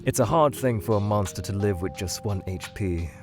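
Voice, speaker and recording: A man playing a weary, scholarly monster scientist trapped in a void, speaking in a measured, halting, brooding way that trails off, in a fan audio drama. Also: fairly low pitch, music in the background, lightly acted. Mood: worried, somber. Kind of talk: fan audio drama, in-character answers to questions.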